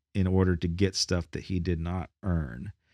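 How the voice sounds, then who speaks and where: A man with a Californian accent and very deep, low pitch, in a very clean, dry, close recording with a silent background and no echo. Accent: General American (Californian). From Southern California. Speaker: pastor and podcast host. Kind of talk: solo podcast monologue. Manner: casual, many filler words.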